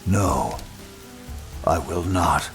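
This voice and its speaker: An actor playing a stoic, polite male attendant in an audio drama, reserved and deliberate in every word. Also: very deep voice, fairly bright tone, soft background music, heavily acted. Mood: impassive, polite.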